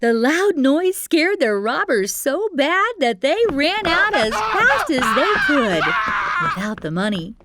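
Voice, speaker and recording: A woman's voice: high-pitched, very animated, slow, heavy background noise. A woman hosting a children's storytime, narrating expressively with playful, chatty asides to young listeners. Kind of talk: expressive fairy-tale narration. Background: music.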